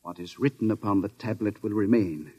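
An actor playing a secretive, proud older scientist in an old radio drama, formal, precise and earnest. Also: male voice, fairly low pitch, fairly quick, breathy edge, no room sound, highs cut off. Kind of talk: 1950s radio drama acting.

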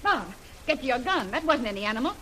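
A high, lively voiced heroine in a vintage radio adventure, giving orders with urgent force. Her pitch swings widely as she speaks. Heavy hiss from the old recording sits under everything. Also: brisk. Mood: tense. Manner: emphatic, commanding under pressure. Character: brave impulsive adventurous woman. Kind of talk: 1930s radio acting. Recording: noisy hissy 1930s radio recording.

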